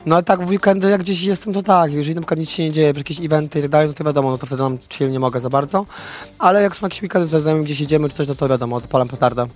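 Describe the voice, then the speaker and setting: Hoarse male guest, slightly high voice, rapid jokey chat. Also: darkish tone, soft background music. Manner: jokey, boastful. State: hoarse from a cold. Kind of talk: casual chat.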